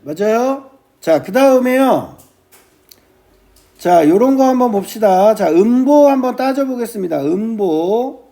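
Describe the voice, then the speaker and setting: A male teacher giving a classroom lecture on classical poetry, often checking with his students and reciting verse slowly. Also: very high-pitched, animated, warm tone. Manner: keeps starting with "ja", asks students quick checking questions.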